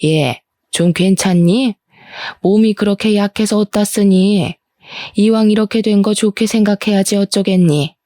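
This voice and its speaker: A woman's voice: medium pitch, warm tone, dry recording, clean studio sound, natural voice. A woman voicing a cold, condescending middle-aged mother-in-law who talks down to her daughter-in-law. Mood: scornful. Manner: condescending, slow and cutting.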